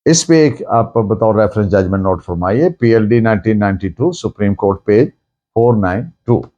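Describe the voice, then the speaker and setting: Casting: man with Pakistani accent as a didactic lecturer, soft-edged voice, very varied intonation, emphatic delivery. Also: lowish voice, lively intonation, muffled recording. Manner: deliberate, emphatic, didactic, mixing in English phrases. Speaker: law lecturer. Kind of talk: lecture on evidence law, dictating citations.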